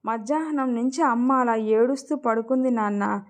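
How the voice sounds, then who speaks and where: A woman voicing a timid young daughter who speaks in a hushed, secretive way. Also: fairly high pitch, normal speed, lightly acted.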